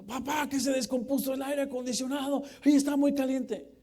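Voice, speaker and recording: A man's voice: fairly even intonation, brisk. A man doing a whiny pestering little boy. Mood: pleading. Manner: high, pleading and loud. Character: anxious whiny young boy pestering his dad.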